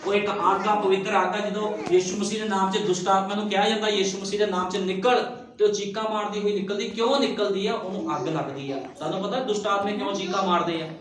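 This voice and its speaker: A man's voice: high-pitched, steady tone, fast talker, few pauses, fairly bright tone. A male pastor preaching a sermon, asking rhetorical questions and driving points home with emphasis. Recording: very echoey room, distant mic, faint noise.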